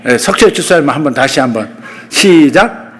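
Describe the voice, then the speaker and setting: A middle-aged male pastor delivering a lively sermon. His voice sits a little high and swings widely as he acts out bold rebukes and coaches the congregation. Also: moderate pace, in a large hall, crowd noise. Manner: animated preaching, acting out bold rebukes to the congregation.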